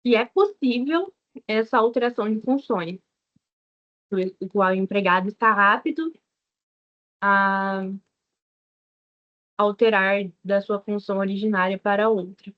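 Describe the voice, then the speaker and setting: A young woman with a Brazilian Portuguese accent, a teaching assistant giving a law review lesson, explaining step by step with fillers and pauses. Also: mid-range voice. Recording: dull lo-fi lecture recording.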